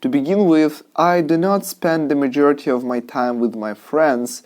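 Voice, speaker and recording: A man's voice: fairly high pitch, normal speed, darkish tone. Young man giving a structured exam answer. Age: young adult. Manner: structured, with frequent "uh" fillers. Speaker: university student giving sample answers. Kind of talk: timed spoken exam answer.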